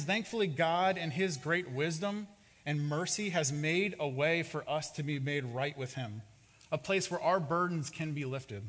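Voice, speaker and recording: A man's voice: a little high, a bit bright. A man preaching a sermon as a pastor, telling a story and acting out its characters' lines. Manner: storytelling with acted-out quotes. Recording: long hall reverb.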